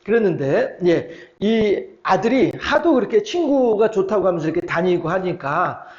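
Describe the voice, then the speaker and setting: A man's voice: sits high, sing-song, moderate pace, dull audio. A man preaching a midweek sermon, retelling Bible scenes and acting out their dialogue with many fillers. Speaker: pastor.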